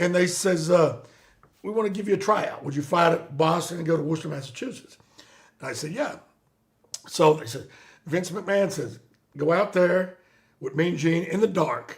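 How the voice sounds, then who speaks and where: A high-pitched man's voice with an American accent, ordinary pitch variation, a moderate pace and long, frequent pauses. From US South. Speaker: retired wrestling manager. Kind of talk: casual interview.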